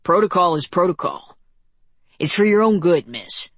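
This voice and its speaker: A woman's voice: fairly low pitch, lively intonation, moderate pace, dry recording. A woman voicing a male border soldier who talks in a blunt, dismissive way.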